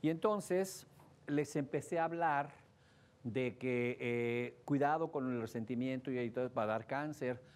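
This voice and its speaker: Animated Mexican man telling stories. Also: mid-range voice, measured pace. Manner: animated, acts out voices in his stories, asks the audience questions. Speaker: speaker giving a relationship talk. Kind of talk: lively storytelling talk to an audience.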